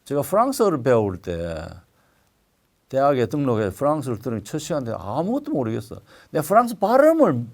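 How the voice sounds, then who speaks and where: An older male pastor preaching a sermon, telling stories with sudden loud, emphatic swells. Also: medium pitch, huge pitch swings, fairly quick.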